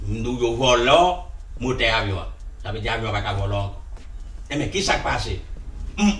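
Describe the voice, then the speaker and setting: A man performing a comedy sketch, animated and laughing often as he switches between Creole and French. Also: mid-range voice, moderate pace. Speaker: comic lead in a sketch. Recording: echoey room, voice from far off.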